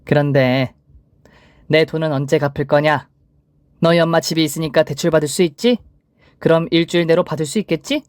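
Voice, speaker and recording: A man's voice: on the high side, a little fast, pauses often, no room sound, studio quality, close to an everyday voice. A man voicing a cold, stingy older mother-in-law who talks in a curt, scolding way. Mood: cold, demanding.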